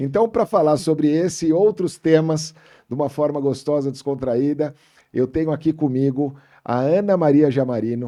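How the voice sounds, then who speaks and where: Fairly high male voice with a dark, mellow tone, moderate pace and ordinary pitch variation, over a quiet background. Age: 40s. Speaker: podcast host. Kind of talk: casual chat.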